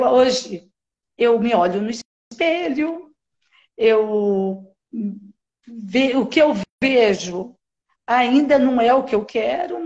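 A middle-aged woman sharing a personal testimony in conversation, talking haltingly with many restarts and tag questions. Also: on the high side, a little mellow, lo-fi sound. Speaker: mentoring client sharing her story.

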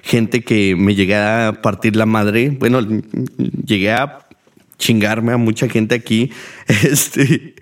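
A man with a Mexican Spanish accent, speaking a bit low. He talks in a loose, rambling monologue full of fillers and swearing, as a podcast host. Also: fairly even intonation, takes it slowly. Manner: profane, rambling, heavy use of fillers. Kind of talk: casual monologue.

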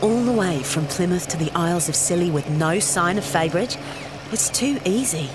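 A woman's voice: lowish voice, expressive, normal speed, noisy background, lightly acted. An actress playing a cool, cynical female mercenary in an audio drama, dry and teasing. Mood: wary. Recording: loud music behind.

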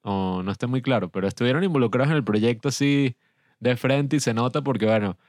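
A man's voice: mid-range voice, brisk, darkish tone, no room sound, studio quality. A man co-hosting a casual film review podcast, rambling and joking as he talks. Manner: rambling, joking, laughs often. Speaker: podcast co-host.

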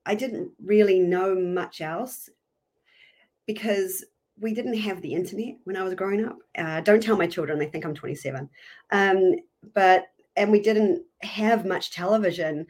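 A woman in her forties from New Zealand with a New Zealand accent, a podcast guest chatting casually, quick to poke fun at herself and laugh. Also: medium pitch, a little mellow. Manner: chatty and self-deprecating, laughs often. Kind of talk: casual interview chat.

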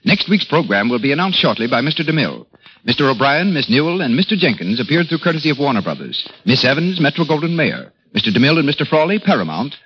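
A male announcer speaking in a crisp, formal 1930s network-radio style, pitched a little high and moving fast. His voice rises and falls a lot, with a faint hiss behind it. It has the sound of an old radio broadcast. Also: very animated, a bit bright, poor audio.

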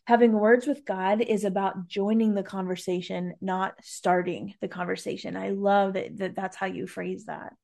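Podcast host, woman, reflective and searching, restarts her phrases, mid-pitched. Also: flat delivery, normal speed, creaky, few pauses, a little mellow. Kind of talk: conversational podcast interview.

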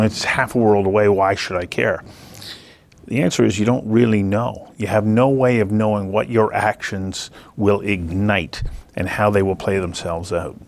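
A man hosting an interview show, reading a scripted introduction and then asking reflective, earnest questions in long measured sentences. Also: on the low side.

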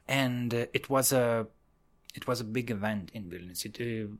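A man's voice: mid-range voice, moderate pace. Hesitant male podcast interviewer. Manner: hesitant, restarting questions.

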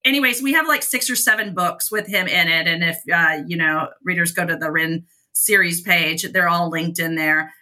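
A woman's voice: lowish voice, moderate pace, few pauses, bright, forceful tone. A woman guest author chatting casually on a podcast, talkative and self-deprecating.

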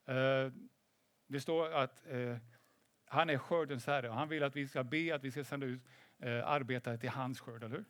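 A man's voice: medium pitch, steady tone, a bit bright, no echo. A man preaching a sermon in a conversational way, often asking "eller hur?" and slipping in English phrases.

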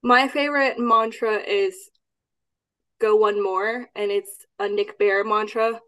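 Relaxed young woman from Texas. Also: medium pitch, takes it slowly. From Austin, Texas. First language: Cantonese. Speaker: guest. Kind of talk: casual podcast interview.

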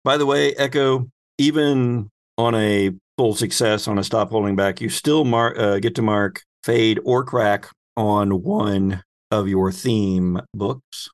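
Speaking in a lowish voice, this host and game master tells an improvised story in a casual, conversational manner. He sometimes pauses while hunting for the right words.

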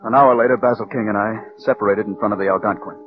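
A man's voice: on the low side, steady tone, fast talker, music in the background, natural voice. An actor playing an earnest young male radio writer who sometimes stammers, narrating and talking in 1940s radio acting style. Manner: earnest, slightly hesitant, stammers. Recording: muffled old radio broadcast.

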